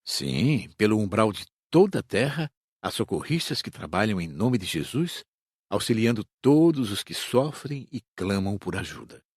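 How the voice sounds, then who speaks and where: A Brazilian man playing a patient spirit teacher in an audiobook, explaining in a measured, didactic way. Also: lowish voice, sing-song, a little mellow, breathy edge, no room sound, studio quality. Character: patient male spirit teacher instructing his students. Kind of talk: audiobook dramatized reading.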